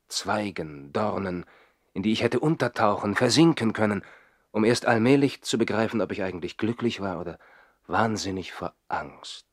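An actor playing a passionate nobleman who lives in the trees and recalls his love in a measured, literary way, in a 1960s German radio play. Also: on the low side, dry recording, clean studio sound, natural voice. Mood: agitated.

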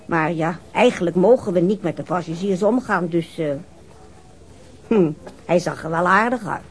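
An actress playing a cooperative, chatty ship's waitress in a Dutch radio drama, helpful and thoughtful. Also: female voice, on the low side, normal speed, lightly acted, rough recording. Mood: musing.

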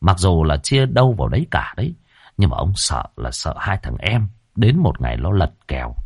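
A man, narrating a folksy ghost story in a lively, colloquial way. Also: sits low, moderate pace, gravelly, husky, no echo, studio quality.

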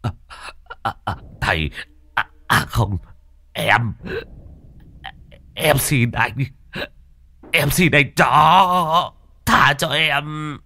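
A man's voice: low voice, big pitch swings, normal speed, gravelly, pauses often, bright, forceful tone, breathy edge, full character voice. A man playing a whimpering cowardly old exorcist. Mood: pleading. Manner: whimpering, stammering pleas. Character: cowardly older male exorcist, boastful then pleading.

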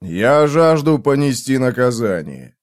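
A man's voice: mid-range voice, sing-song, a little slow, no room sound, clean studio sound, voice pushed up. A man voicing a bitter, tormented man. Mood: anguished. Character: bitter tormented man, bandaged and guilt-ridden.

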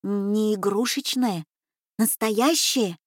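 A woman voicing an excitable, anxious young boy in a children's storybook reading, pleading and stammering. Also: mid-range voice, slow, dry recording, clean studio sound. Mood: excited.

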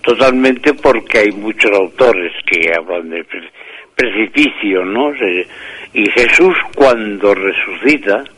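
A man, a priest and author, telling stories slowly in a radio interview, with many hesitations and restarts. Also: lowish voice, animated, fairly bright tone, slightly rough, poor audio.

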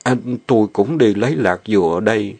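A man's voice: lowish voice, brisk, a little mellow, slightly rough. Man voicing a stammering lovesick farmhand. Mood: hesitant. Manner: stammering, hesitant. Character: bashful young male farmhand, lovesick.

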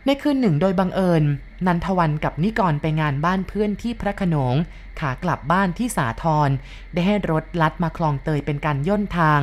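ผู้หญิงเสียงทุ้มต่ำอ่านนิยายเสียง เล่าเรื่องด้วยจังหวะสม่ำเสมอ ชัดเจน และหนักแน่น น้ำเสียงนิ่งและเรียบร้อยตลอดการเล่า. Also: female voice, lowish voice. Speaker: narrator. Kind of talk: story reading.

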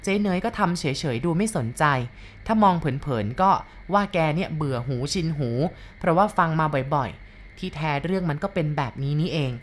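A woman reads a story aloud in a calm, steady narrating manner. Her voice sits on the low side for a woman. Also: normal speed.

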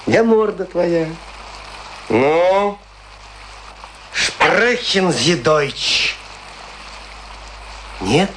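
An actor in a radio play monologue, playing a tipsy, self-pitying provincial actor who declaims and muses aloud. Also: male voice, high-pitched, lively intonation, very slow, pauses often, a bit bright, slight background noise, exaggerated voice, poor audio. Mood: teasing, fond. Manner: declamatory, musing aloud, swinging between grand and intimate.

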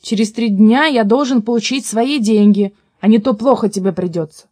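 A woman voicing a stubborn peasant man who scolds loudly and with emphasis, in a storybook reading. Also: a little high, moderate pace, no room sound, lightly acted. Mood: reasoning.

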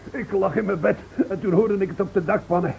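High, exuberant villager. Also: male voice, fairly quick, gravelly. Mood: elated. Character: exuberant rain-drunk villager, earthy and dismissive. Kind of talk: Dutch radio drama acting. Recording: dull, faintly noisy old radio recording.

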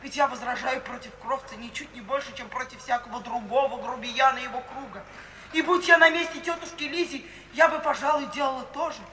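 An actress playing a proud, principled young daughter in an old radio play, with a firm declamatory delivery. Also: female voice, high-pitched, fairly quick, sharp tone. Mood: firm, indignant. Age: young adult. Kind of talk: 1950s Russian radio theatre acting. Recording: echoey, distant 1950s radio play with hiss.

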